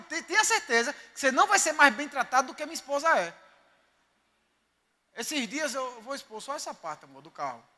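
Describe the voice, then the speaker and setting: High-voiced Northeastern Brazilian preacher. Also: male voice, sharp tone. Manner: emphatic, storytelling preacher. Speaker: pastor. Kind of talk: sermon. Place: church sanctuary. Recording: reverberant church hall.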